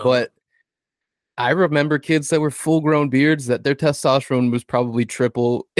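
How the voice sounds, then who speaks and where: An American accent, fairly even intonation and a moderate pace, with a dry, close sound free of echo and very even loudness. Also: man, fairly high pitch for a man. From US South, northeast Florida. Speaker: fitness content creator. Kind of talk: podcast interview, casual chat.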